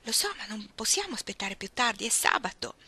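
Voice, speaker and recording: A woman reading aloud, voicing Ruth, a gentle, timid young woman who speaks hesitantly. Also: fairly high pitch, sing-song, a little fast, breathy edge, pitched above the performer's own voice, exaggerated voice.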